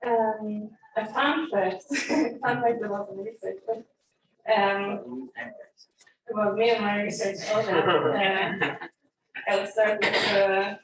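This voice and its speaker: A woman's voice: medium pitch, fairly even intonation, slow. A young adult woman introducing herself on a panel, chatty and full of fillers and little laughs. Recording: echoey distant room mic, faint noise.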